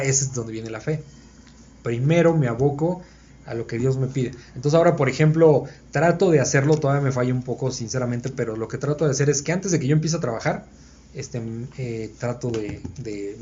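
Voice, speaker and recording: A man's voice: mid-range voice, darkish tone. A man leads a conversational Bible study for a small group. He thinks aloud and keeps checking that his listeners are following. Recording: dull lo-fi recording.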